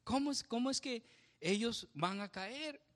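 A man's voice: very high-pitched, expressive, measured pace, a bit bright, in a large hall. A man giving a conversational Bible study sermon, often checking in with the congregation and laughing at his own slips. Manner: conversational, asks the congregation questions with frequent tag "¿verdad?". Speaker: pastor.

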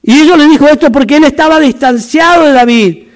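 A man's voice: extremely high pitch, fairly quick. A man from Argentina preaching a sermon as a pastor, emphatic and repetitive, with humorous asides.

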